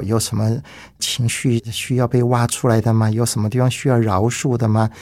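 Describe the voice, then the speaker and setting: A man's voice: medium pitch, creaky, warm tone, no echo. A middle-aged man with a Taiwanese Mandarin accent, telling his personal faith testimony in an earnest, reflective way. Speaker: testimony speaker.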